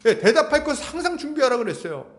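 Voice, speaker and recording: A man preaching a Sunday sermon, animated, asking the congregation rhetorical questions and acting out quotes with sudden shouts. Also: very high voice, quick pace. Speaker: pastor.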